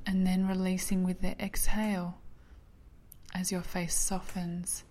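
Female sleep meditation narrator, soft half-whisper, soothing, level pitch, unhurried delivery. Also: little pitch movement, a little hiss or hum.

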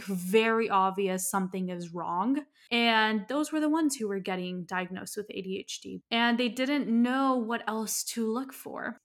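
A woman's voice: mid-range voice, a bit bright. A woman in her thirties from Miami, hosting a podcast in a candid, ranting monologue that is often broken by laughter. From United States (Miami). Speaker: podcast host. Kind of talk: casual monologue.

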